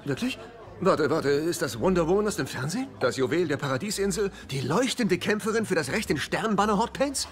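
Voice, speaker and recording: Casting: needy, lecherous sitcom sidekick, slightly high, lively pitch, gushing delivery. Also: male voice, fairly quick, a crowd in the background. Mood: starstruck. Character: needy, lecherous, flustered straight man, eager sitcom sidekick. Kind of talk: German-dubbed TV sitcom acting. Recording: loud background noise, sitcom soundtrack.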